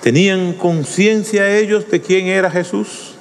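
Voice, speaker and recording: Male pastor, high-pitched and unhurried, impassioned sermon delivery, long hall reverb. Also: fairly even intonation, slight background noise. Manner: impassioned preaching that swells into shouted pleas.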